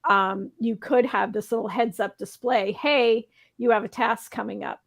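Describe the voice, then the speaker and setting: A woman hosting a talk show in a casual panel chat, a little hoarse, chatty and often laughing. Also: mid-range voice. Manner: chatty, laughs often, asks rhetorical questions.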